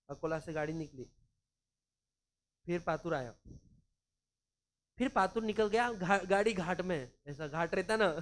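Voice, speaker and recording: A man from Maharashtra, teaching law in a chatty, informal lecture, mixing in English and acting out anecdotes. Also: a little high. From Maharashtra, India. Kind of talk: casual classroom lecture.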